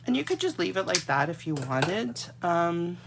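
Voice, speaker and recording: Sounding very animated at a normal speed, a woman with a lowish voice chats away to viewers while making cards at her craft desk. She's from Canada, stuffed up and getting a cold, and the background is noisy. An overhead camera shows only her hands in this easygoing live tutorial.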